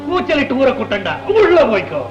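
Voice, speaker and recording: A Malayali watchman, high and comic. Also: sing-song, brisk, lo-fi sound. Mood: comic bluster. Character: Malayali watchman Nair, bumbling and loud. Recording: echoey 1960s film soundtrack with music.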